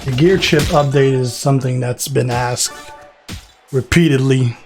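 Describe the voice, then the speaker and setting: A man's voice: mid-range voice, measured pace, soft background music. A man in his forties, French by first language and with a French accent, chatting loosely with his live-stream viewers and answering them by name. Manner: relaxed, rambling, answers chat by name, fillers. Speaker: gaming streamer. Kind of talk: casual live-stream chat.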